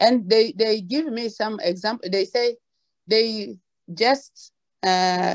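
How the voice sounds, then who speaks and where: The voice moves at a very slow pace with ordinary pitch variation, in a dry, close sound with no echo. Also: woman. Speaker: women's rights activist. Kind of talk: panel discussion. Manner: halting.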